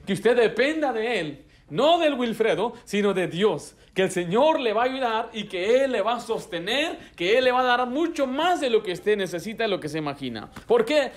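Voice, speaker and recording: A man with a notably high speaking voice preaches a Baptist sermon from the pulpit. He is emphatic and repeats his key points. He also acts out the dialogue of the people in his illustrations. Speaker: pastor. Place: church sanctuary.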